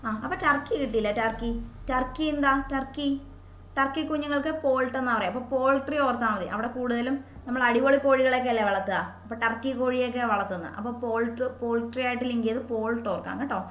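A woman teacher giving a chatty exam-prep lesson, asking questions and answering them herself and repeating key words slowly. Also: a little high, reverberant, slight background noise. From Kerala.

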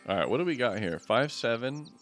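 A man's voice: mid-range voice, expressive, a little fast, a bit bright. A man in his thirties chatting casually and jokily as he streams a video game. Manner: jokey, chatty reactions. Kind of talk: casual live playthrough commentary. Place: small decorated room, indoors. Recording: game music behind.

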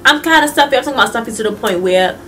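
A woman's voice: a little high, very fast, distant mic, a little hiss or hum. A young woman with a congested, stuffy nose, giving a chatty motivational talk to camera with lots of fillers. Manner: chatty, animated, lots of "like" and hand gestures. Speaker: vlogger. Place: small indoor room.

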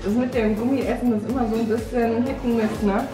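A woman's voice: fairly high pitch, fairly even intonation, a little fast, music in the background. A woman in her thirties chatting casually to the camera and her child as a family vlog host.

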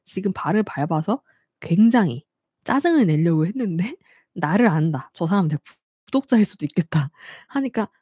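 A woman's voice: fairly low pitch, moderate pace, slightly rough, no echo, clean studio sound. Young woman telling stories, laughing often. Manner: lively, laughs often, acts out quoted people. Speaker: YouTube host. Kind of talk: casual live-stream storytelling.

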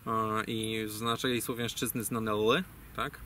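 Speaking at a moderate pace with a sharp tone and medium pitch, a man talking as a guest on language origins wanders through a digressive explanation, using many fillers and correcting himself. He's recorded from a distance, with faint ambient noise.

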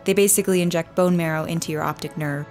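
Measured, thoughtful female role, played by an actress, slightly low pitch, intimate radio drama dialogue over music. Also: fairly even intonation, a little mellow, close to an everyday voice. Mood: reflective. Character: thoughtful, self-assured blind woman.

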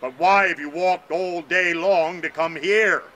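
A man voicing a giant black talking bird that questions slowly and calmly in a storybook tale. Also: high voice, slight background noise. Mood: probing. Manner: slow, questioning, measured.

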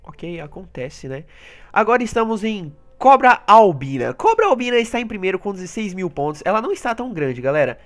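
A man with a Brazilian Portuguese accent giving excitable live commentary on his gameplay. He talks straight to his audience and often jumps into high yelps and laughter. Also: brisk. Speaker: gaming YouTuber.

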